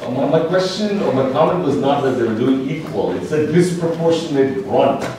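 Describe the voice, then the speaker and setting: A man's voice: mid-range voice, lively intonation, moderate pace, dark tone. A man in the audience at a panel discussion, insistently restating what his question meant. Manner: insistent, correcting himself. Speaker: audience member. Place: conference room. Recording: echoey, distant room mic with hiss.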